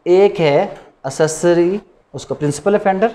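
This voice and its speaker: Slow, high-pitched Pakistani male law lecturer. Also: warm tone. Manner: didactic, repeats points and asks rhetorical questions. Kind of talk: classroom lecture mixing Urdu with English legal terms.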